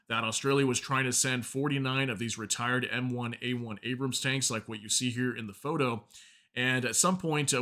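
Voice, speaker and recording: A man's voice: mid-range voice, pushed and bright. A man hosting a news video, reading out reports and adding informal commentary addressed straight to viewers.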